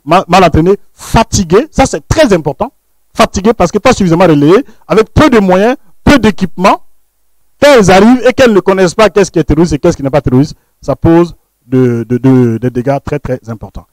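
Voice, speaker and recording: A man with a fairly high voice gives an analytical panel talk, pressing his points with emphasis. He repeats words as he searches, then lets each phrase fall low. The sound is dry and close. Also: no room sound, rough recording. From Burkina Faso. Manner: emphatic, lecturing, with frequent word repeats and phrase ends that drop low. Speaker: panelist, researcher.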